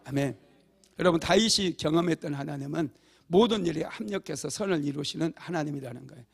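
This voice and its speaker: Male pastor, animated sermon in a church, high-pitched with a gravelly rasp. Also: fairly quick. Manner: animated, swings from loud exclamations to quiet asides.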